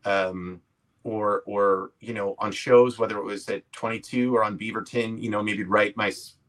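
A man's voice: on the low side, steady tone, normal speed, a bit bright, poor audio. A man, a comedy writer and actor, speaking as a guest in a casual interview, rambling loosely through his story with lots of "like" and "you know".

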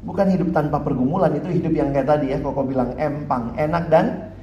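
A man's voice: on the high side, brisk, warm tone, reverberant, lo-fi sound, a little hiss or hum. A man preaching to teenagers as a youth pastor, telling stories animatedly and acting out voices. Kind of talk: sermon to teenagers.

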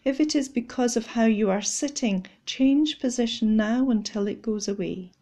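A woman leading a guided Christian meditation in a gentle, measured, instructional way. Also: on the high side.

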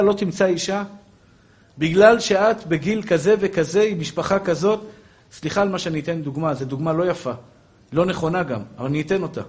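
Man, rabbi, high voice, impassioned sermon, direct address. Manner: impassioned, preaching directly to listeners. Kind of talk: religious lesson sermon.

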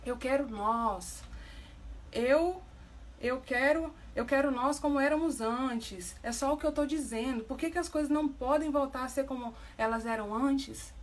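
A woman's voice: high voice, unhurried. A woman voicing a tearful wife pleading with her distant husband, read aloud plainly in a Brazilian accent.

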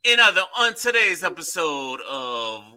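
A man's voice: a little high, big pitch swings, a little slow, crowd noise. A man putting on a brash TV crime-show announcer. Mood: dramatic promo. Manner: hammy promo delivery.

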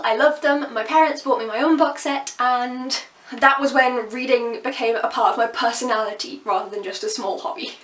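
A woman in her twenties with a slightly softened received pronunciation accent, chatting casually to camera as a vlogger, laughing often and throwing in quick asides. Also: high-pitched, echoey room. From England. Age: 20s.

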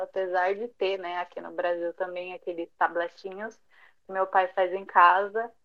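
A woman's voice: medium pitch, a bit bright, highs cut off. Chatty young woman. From São Paulo, Brazil. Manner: chatty, many fillers, light laughs. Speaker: podcast guest. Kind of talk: conversational interview.

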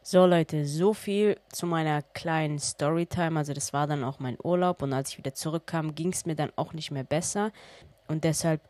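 Give me a young woman in her twenties from Germany telling a casual podcast story, slightly low voice and a dry, close sound. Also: normal speed, no room sound. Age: 20s. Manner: chatty, lively retelling with quoted dialogue. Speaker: podcast host.

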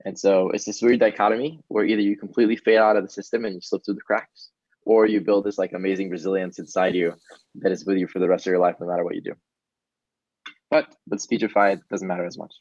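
A man whose native tongue is Hebrew answers interview questions in a casual, earnest way, often pausing with an um. His voice sits on the low side. The recording is dry and a little dull. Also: flat delivery, darkish tone, dry recording. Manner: casual, earnest, with frequent ums. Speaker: startup founder.

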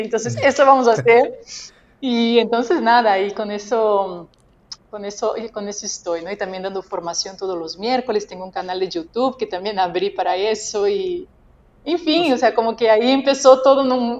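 A woman from Brazil speaking Spanish with a Brazilian Portuguese accent, an expressive, emotive podcast guest who laughs often. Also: fairly high pitch, moderate pace, muffled recording. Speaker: consecrated laywoman, podcast guest. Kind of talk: casual podcast interview.

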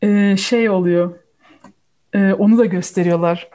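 Mellow woman chatting casually. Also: medium pitch, steady tone, unhurried. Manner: switches between Turkish and German mid-sentence. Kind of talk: casual chat, explaining a film.

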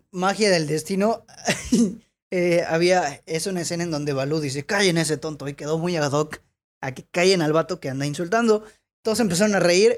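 A podcast host with a Mexican Spanish accent reads listener stories in a relaxed, chatty way. The host keeps wandering off on tangents and slides easily into heated, opinionated rants. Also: mid-range voice. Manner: chatty, goes off on tangents, gets worked up and ranting. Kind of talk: casual chat.

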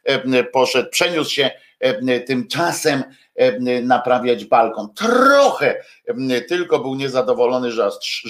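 A man's voice: medium pitch, a bit bright. A man hosting a livestream, chatting casually with viewers in a hesitant, rambling way full of filler sounds and restarts, with jokey asides. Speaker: livestream host.

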